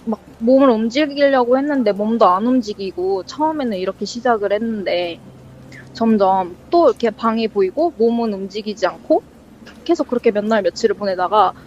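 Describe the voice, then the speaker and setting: A woman's voice: a little high, lively intonation, a little fast, darkish tone, a little hiss or hum. A woman casually telling a ghost story as a guest, rambling and full of fillers, acting out the lines she quotes. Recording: dull lo-fi sound.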